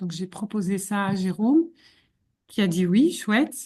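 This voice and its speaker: A woman speaks at a very slow pace with a fairly high pitch and a somewhat breathy sound. The background is quiet. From Belgium. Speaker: sophrologist and olfactotherapist. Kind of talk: casual promotional chat. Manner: halting, many hesitations.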